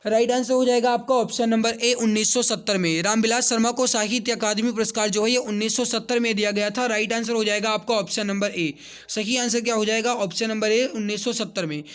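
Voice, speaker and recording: Very high-pitched male exam coach. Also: fairly even intonation, fairly quick, clear, resonant tone. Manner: repeats questions and answers for emphasis; addresses viewers directly as brothers and guys. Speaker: online exam coaching teacher. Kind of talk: exam question walkthrough lesson.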